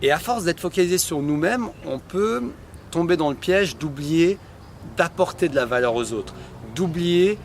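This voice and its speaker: A man giving an improvised, relaxed talk to camera, with frequent hesitations. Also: fairly high pitch, moderate pace, slight background noise. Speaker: personal development vlogger.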